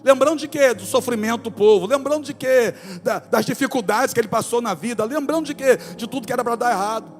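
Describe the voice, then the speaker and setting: A man in his forties, a pastor with a Brazilian accent from Rio de Janeiro state, preaching an animated sermon in a church, moving between soft asides and loud exclamations. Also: very high-pitched, fast, hardly any pauses, long reverb tail, soft background music. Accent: Brazilian Portuguese, Rio de Janeiro state. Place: church sanctuary.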